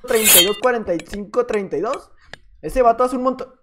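A man's voice: extremely high pitch, brisk, background noise. Playful Mexican man teasing on game commentary. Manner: playful, teasing, jokey banter. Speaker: gaming YouTuber. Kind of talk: gameplay commentary.

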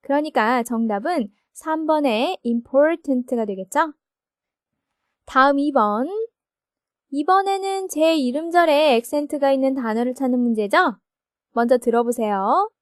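A woman teaching English grammar in a recorded textbook lesson, explaining slowly and checking each point with her listeners. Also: high voice, no room sound, clean studio sound. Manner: slow, explanatory, asks confirming questions.

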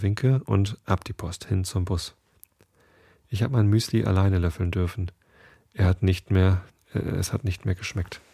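Deep, gravelly male bedtime-story reader. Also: dry recording, studio quality. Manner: calm reading, restarts sentences after slips. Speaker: podcast host.

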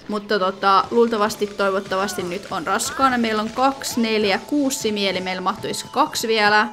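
A gaming video creator offers casual commentary on her gameplay, chatting and thinking out loud with plenty of fillers and abrupt exclamations. Her medium-pitched voice is bright and forceful.

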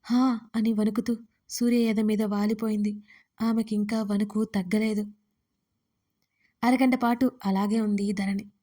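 A woman's voice: mid-range voice, flat delivery, unhurried, pauses often, mellow. Woman narrating an audio story. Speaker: writer and narrator.

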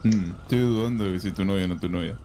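Young man, Argentine Rioplatense accent, rapid teasing banter, mellow low voice. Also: a little hiss or hum. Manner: quick, teasing. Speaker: fellow role-play player. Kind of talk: fast casual role-play banter.

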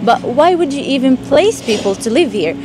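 A woman's voice: high voice, lively intonation, brisk, background noise. A young woman from Syria answering street-interview questions outdoors, hesitant, with restarts. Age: young adult. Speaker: interviewee, student. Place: outdoors by apartment blocks. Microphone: handheld mic held by interviewer.

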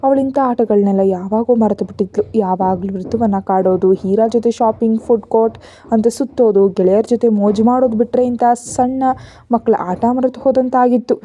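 A woman narrating a scripted story in a steady, gentle reading. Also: mid-range voice, slight background noise.

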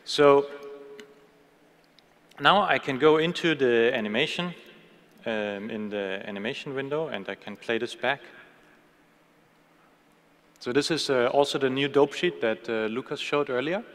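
A man in his thirties presenting a live software demo at a conference keynote, talking casually with many fillers and restarts from a podium mic. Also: medium pitch, a little slow, long pauses. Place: large conference hall stage. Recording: long hall reverb.

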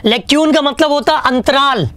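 A man's voice: extremely high pitch, moderate pace, a bit bright. A man teaching an online exam-prep English lesson, chatty and joking, asking questions and answering them himself. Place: online class studio with a whiteboard.

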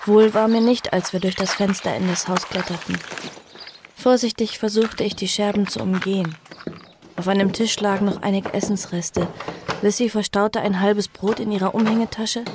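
An actress playing an earnest, cautious girl who recounts her story in a horror audio drama, measured and reflective. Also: medium pitch, fairly even intonation, background noise, close to an everyday voice. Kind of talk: audio drama narration and dialogue. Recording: music behind the voice.

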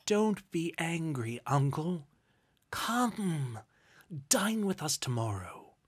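A man's voice: fairly high pitch, big pitch swings, slow pace, slightly rough, pitched above the performer's own voice, heavily acted. A man voicing a cheerful, good-hearted young nephew in a storybook, polite, earnest and a little mischievous. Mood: earnest, pleading.

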